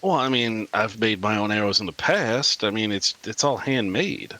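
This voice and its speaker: A man playing in a tabletop game, talking casually in character with profanity and halting restarts. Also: on the low side, bright, forceful tone. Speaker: player.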